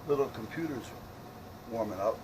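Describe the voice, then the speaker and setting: A man chatting casually and rambling as he thinks out loud while doing hobby radio repair. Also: medium pitch, animated, normal speed. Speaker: hobbyist radio repairer showing his work. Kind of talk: casual unscripted vlog chat while working. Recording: clearly noisy hobby video recording.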